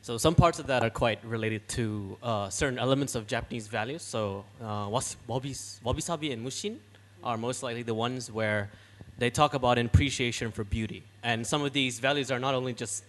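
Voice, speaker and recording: A young man speaking thoughtfully in a casual group discussion, pausing often with fillers. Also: mid-range voice. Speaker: audience member at a book party.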